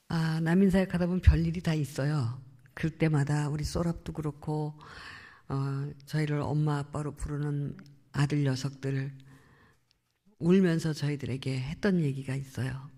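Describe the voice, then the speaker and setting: A middle-aged woman missionary giving an earnest, reflective personal testimony at a church prayer meeting. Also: deep voice. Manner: earnest, reflective storytelling with soft trailing phrases. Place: church sanctuary. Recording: long church hall reverb.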